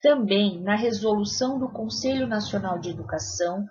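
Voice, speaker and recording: A woman's voice: medium pitch, normal speed, a little mellow, muffled recording, a little hiss or hum. A woman presenting part of a teacher-training session, formally reading out references from prepared notes.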